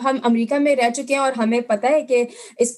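A woman speaks in a high pitch. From Pakistan. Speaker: children's book author. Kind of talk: casual chat.

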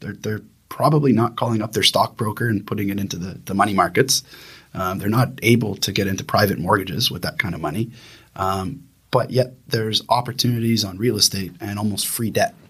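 Somewhat breathy and fairly low-pitched, a man talks at a fairly quick pace with ordinary pitch variation on a very clean recording with a silent background. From Southern Ontario, Niagara area. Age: 40s. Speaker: real estate developer. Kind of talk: interview. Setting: studio, speaking through a mask.

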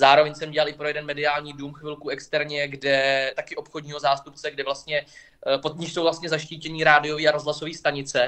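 Here a man talks at a fairly quick pace with a fairly high pitch. His tone is bright and sharp, and his intonation is monotone and flat. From Czech Republic. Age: 20s. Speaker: event producer and MC. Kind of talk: casual interview. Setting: livestream.

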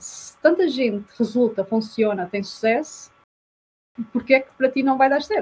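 This woman speaks with a high-pitched voice. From Azores, Terceira island. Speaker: fashion designer and dressmaker. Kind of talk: casual chat.

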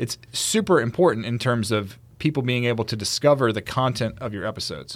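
Fairly quick and medium in pitch, a man talks in a plain, everyday voice with ordinary pitch variation. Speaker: podcast host. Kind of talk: casual chat. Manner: talkative, upbeat.

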